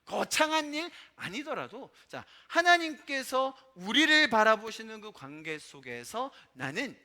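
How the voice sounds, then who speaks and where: Animated, bright-voiced Korean pastor preaching. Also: male voice, high-pitched, measured pace. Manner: emphatic, rhetorical questions to the congregation. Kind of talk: sermon. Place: church sanctuary.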